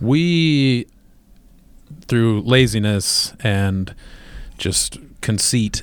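A man with an American accent, at a medium pitch with ordinary pitch variation, at a very slow pace with long, frequent pauses. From Chicago area. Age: 40s. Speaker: stand-up comedian.

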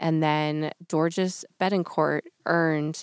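In a very clean recording with a silent background, a woman speaks at a fairly slow pace in a very deep, low voice, the sound dry and close with no echo. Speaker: podcast host. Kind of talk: casual chat. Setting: studio.

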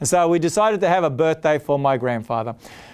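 Here a man talks with an Australian accent at a fairly high pitch. He moves at a fairly quick pace with lively intonation. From Australia, western suburbs of Melbourne. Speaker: pastor. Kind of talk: sermon. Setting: church with live audience.

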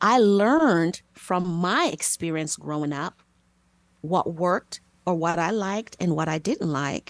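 Against a quiet background, a woman talks fairly slowly. Her pitch shows ordinary variation. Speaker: therapist. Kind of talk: interview. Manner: calm.

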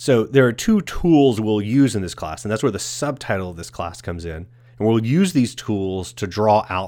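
In an American accent, a man speaks at a moderate pace with ordinary pitch variation on a very clean recording with a silent background. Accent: East Texas pronunciation noted by colleagues. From East Texas. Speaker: college English professor. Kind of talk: recorded lecture. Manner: casual, conversational with laughs.

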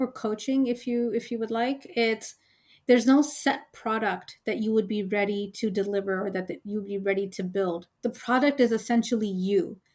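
With an unremarkable speaking voice, a woman talks at a fairly slow pace in a fairly high pitch with ordinary pitch variation, on a very clean recording with a silent background. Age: 40s. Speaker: life coach and side-hustle entrepreneur. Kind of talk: interview conversation. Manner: repetitive false starts.

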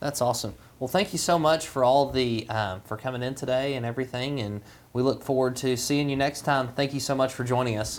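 With a Southern US accent, a man talks at a fairly quick pace in fairly even intonation. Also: medium pitch for a man. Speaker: co-host of a financial advice podcast. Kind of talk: casual chat.

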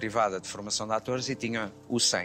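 Noticeable background noise sits behind a man with a medium pitch. He talks at a fairly quick pace with fairly even intonation. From Lisbon, Portugal. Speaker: actor. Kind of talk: interview. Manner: halting.

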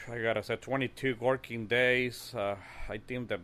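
A man with a Spanish accent speaks at a fairly slow pace. His intonation stays fairly even. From Mexico, Jalisco. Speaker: wheel production manager. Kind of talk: casual chat. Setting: studio.

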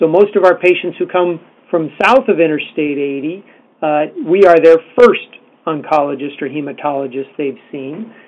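In a plain, everyday voice, a man speaks at a moderate pace and a fairly high pitch, with ordinary pitch variation. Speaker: hematologist-oncologist physician. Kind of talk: webinar presentation.

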